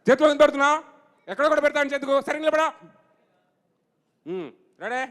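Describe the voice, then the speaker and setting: A man playing an impatient film director on set, barking orders loudly. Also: very high voice, expressive, fast talker, in a large hall, voice pushed up. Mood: scolding.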